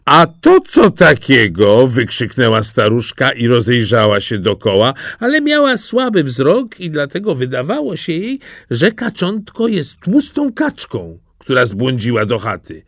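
Man narrating audiobook fairy tale, lively expressive delivery, dry close recording. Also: mid-range voice, a little slow, hardly any pauses, no echo. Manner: expressive storytelling.

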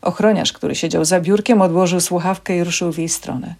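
A woman reading a passage of a novel aloud in measured, steady narration for a library program. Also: on the low side, creaky. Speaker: audiobook reader for a library program.

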